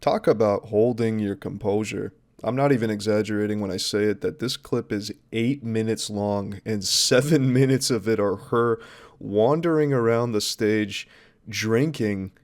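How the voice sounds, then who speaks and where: A man's voice: fairly low pitch, a little slow, a little mellow. Man giving casual, critical commentary. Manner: critical, mocking, informal with swearing. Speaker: commentary video host.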